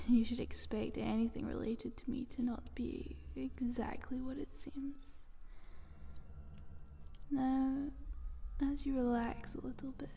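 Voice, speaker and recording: Woman as a breathy, whispering, slow eldritch monster. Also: fairly high pitch, warm tone, heavily acted. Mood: teasing, aloof. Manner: slow, deliberate, coaxing. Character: calm, condescending female eldritch monster, playfully ominous. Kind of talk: whispered ASMR roleplay monologue.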